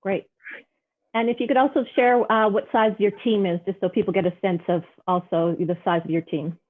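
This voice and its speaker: A woman's voice: mid-range voice, steady tone, normal speed. A woman moderating an online panel of wine business guests, introducing each one in a friendly way. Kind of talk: hosting a webinar. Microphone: video call. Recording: tinny phone-like audio.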